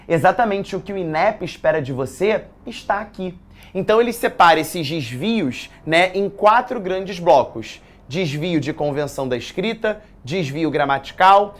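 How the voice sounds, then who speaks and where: Man, Brazilian accent, writing teacher, live online class, slangy, chatty, quizzes viewers. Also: fairly high pitch. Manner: lively, chatty, quizzes the audience with slangy asides. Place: studio in a commercial building.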